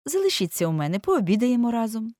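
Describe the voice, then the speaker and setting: A woman's voice: fairly high pitch, big pitch swings, fast talker, warm tone, no room sound, studio quality, voice pushed up. A woman voicing an earnest, anxious painter who pleads and grumbles, raising her voice above her own. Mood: pleading. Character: anxious earnest male painter, middle-aged.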